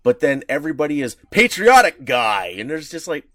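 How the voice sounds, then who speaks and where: Animated man chatting on a podcast. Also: a little high, brisk, no echo, clean studio sound. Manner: rambling, many restarts, laughs easily. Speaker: podcast co-host. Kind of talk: casual chat.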